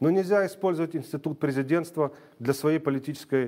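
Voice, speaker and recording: A man's normal speaking voice with ordinary pitch variation, in a very clean recording with a silent background. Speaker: member of parliament. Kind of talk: heated debate. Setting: studio.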